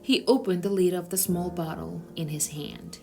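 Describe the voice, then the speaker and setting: A woman's voice: lowish voice, fairly even intonation, moderate pace, vocal fry, warm tone, faint music behind. A woman narrator reading a children's novel aloud in a storytelling style.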